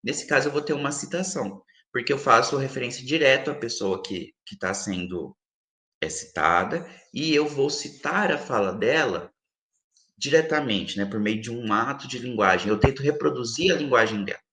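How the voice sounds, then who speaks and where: A man's voice: mid-range voice, expressive, moderate pace, bright, forceful tone. Brazilian man explaining, roomy echo. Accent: Brazilian Portuguese. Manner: patient, explains with many examples, frequent tag questions. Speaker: linguistics professor, interview guest. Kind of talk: explanatory academic interview answer.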